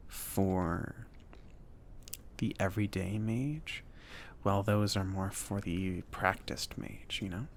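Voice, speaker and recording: Male performer as gentle, slightly awkward potion-shop mage for ASMR roleplay. Slow, creaky, casual delivery, faint noise behind. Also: on the low side. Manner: halting, casual, chatty, filler-laden. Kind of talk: soft-spoken ASMR roleplay.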